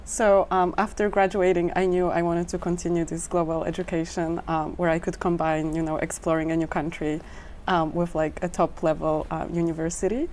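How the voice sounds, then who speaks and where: Flat-voiced young woman from Poland. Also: lowish voice, moderate pace, a little hiss or hum. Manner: casual, many ums. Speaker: panelist, medical student. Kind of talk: panel discussion.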